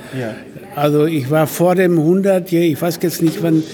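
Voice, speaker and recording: A man speaks with high pitch and fairly even intonation. Audible room echo and noticeable background noise surround him. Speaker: retired beekeeper. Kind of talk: interview. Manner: halting.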